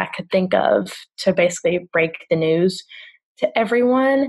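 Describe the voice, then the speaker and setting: A woman speaks at a fairly slow pace with a North Carolina accent and a medium pitch. The background is quiet. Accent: Southern US (North Carolina). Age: 20s. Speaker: grief coach and podcaster. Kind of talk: interview, personal testimony. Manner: mature-sounding for her age.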